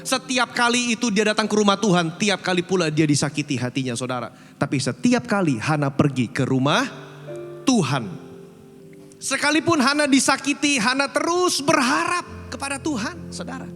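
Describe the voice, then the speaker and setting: A man's voice: high voice, animated, moderate pace, a bit bright, long reverb tail, soft background music. A man preaching a sermon as pastor with an Indonesian accent, emphatic and often addressing the congregation directly, sometimes switching into English phrases. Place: large church hall.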